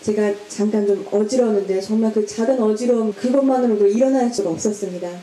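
Female church interpreter, mellow tone, echoey hall. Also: mid-range voice, fast talker. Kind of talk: consecutive interpreting of a homily.

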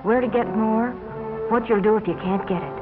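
A woman's voice: fairly high pitch, moderate pace, lightly acted. Muffled 1950s film actress as troubled young woman confessing. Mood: weary, bitter. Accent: American. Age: young adult. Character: troubled young former heroin addict confessing wearily. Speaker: narrator of a confessional story. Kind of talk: 1950s educational film narration in first person. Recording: muffled 1950s film soundtrack, music behind.

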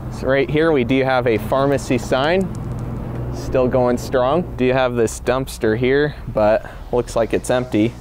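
Young male explorer host, casual offhand delivery, handheld camera mic outdoors, faint street noise. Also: mid-range voice. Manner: relaxed, offhand commentary with hedging asides. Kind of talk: casual walkthrough narration. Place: outdoors at an empty store parking lot.

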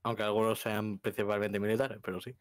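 A man's voice: fairly low pitch, little pitch movement, a little fast, smooth, no echo. Grumbling, sweary Spanish man, dry sound. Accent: Spain. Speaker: online roleplay gamer. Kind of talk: casual chat among friends.

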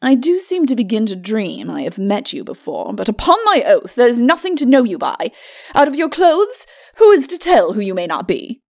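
A woman voicing a pompous, aching skeleton lord, a muddled old drunk with a rough voice and indignant bluster. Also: on the high side, big pitch swings, normal speed, darkish tone, no room sound, clean studio sound, exaggerated voice.

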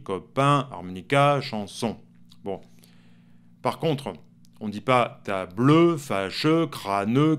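A man with a French accent teaching a playful songwriting lesson at a whiteboard, chatting casually and sounding out words slowly. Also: mid-range voice. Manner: chatty, playful, sings example lines slowly. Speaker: music teacher.

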